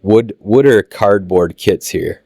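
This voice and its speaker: Low-voiced Midwestern man narrating a train show. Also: vocal fry, no echo. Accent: Midwestern American. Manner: relaxed, halting with many "uh" fillers. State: recovering from a cold. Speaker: channel host touring a train show. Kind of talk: casual walkthrough narration.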